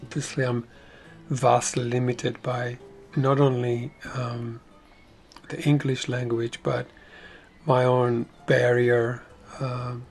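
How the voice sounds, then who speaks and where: A man from Slovakia with a Slovak accent, giving a slow spiritual talk, pausing to search for words and dropping to whispers. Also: medium pitch, flat delivery, creaky, soft background music. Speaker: spiritual teacher.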